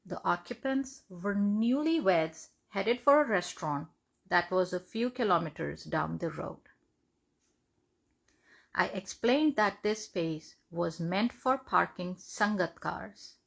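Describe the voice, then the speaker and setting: A woman reads a devotional testimony aloud in measured, deliberate phrases. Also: on the low side, animated, vocal fry. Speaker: devotional reader.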